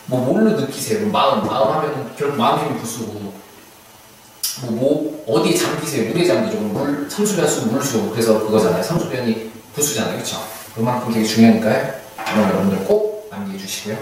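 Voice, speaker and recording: A male instructor giving a recorded lecture, chatty, who keeps asking his students questions and then answering them himself. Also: medium pitch. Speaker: hanja certification instructor. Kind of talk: online video lecture. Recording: echoey room, mic far off, faint hiss.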